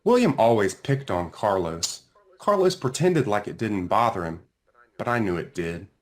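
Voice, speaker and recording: A man reading his own children's book aloud in an expressive storytelling style, with dramatic pauses and drawn-out phrases. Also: lowish voice. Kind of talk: animated children's read-aloud narration.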